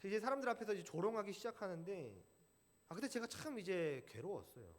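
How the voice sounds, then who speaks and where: A man's voice: sits high, big pitch swings, fairly quick. A young adult man pastor preaching a sermon, telling a story from his own life and acting out the voices of other people in it. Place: church sanctuary. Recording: church hall reverb.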